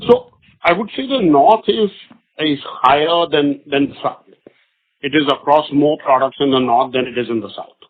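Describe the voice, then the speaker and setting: A man with a somewhat raised voice answers analysts as an executive on an earnings call, stumbling and repeating himself as he explains. The sound is thin and phone-like. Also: a little high. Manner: halting, repeats words. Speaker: company executive. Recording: phone-line conference call audio.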